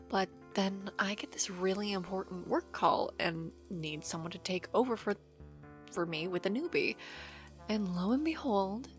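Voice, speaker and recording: A woman playing an affectionate, teasing working wife in an ASMR audio roleplay, chatty and expressive. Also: medium pitch.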